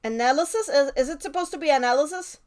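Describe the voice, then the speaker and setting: A German woman in her twenties, speaking with a German accent, chats with viewers on a live stream while playing a game, answering their chat mid-play. Her high-pitched voice is fast and a little mellow.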